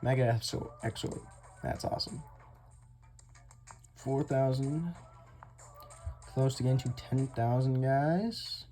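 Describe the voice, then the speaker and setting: Young man, gameplay commentary, chatty, warm mellow tone, soft game music underneath. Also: medium pitch, slow, pauses often. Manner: chatty, addresses viewers as guys, laughs often. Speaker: gaming YouTuber. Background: faint game music.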